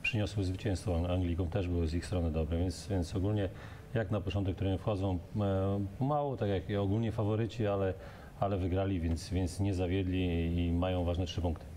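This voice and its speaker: Man with a very deep dark voice. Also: fairly even intonation, a little hiss or hum. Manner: measured, repeating words. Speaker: pundit. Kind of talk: studio sports talk. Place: TV studio.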